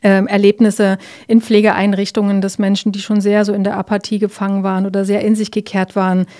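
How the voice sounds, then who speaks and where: A woman giving calm, explanatory answers in an interview, with frequent fillers and tag questions. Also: mid-range voice, a little fast.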